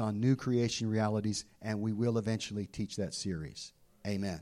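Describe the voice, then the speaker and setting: At a moderate pace, a man talks in a medium pitch. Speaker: pastor. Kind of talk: sermon. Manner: soft-spoken.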